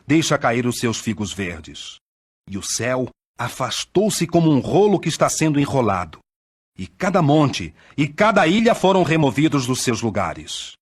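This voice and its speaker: Husky man reading scripture solemnly. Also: on the high side. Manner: measured, declamatory reading with dramatic swells. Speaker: scripture reader.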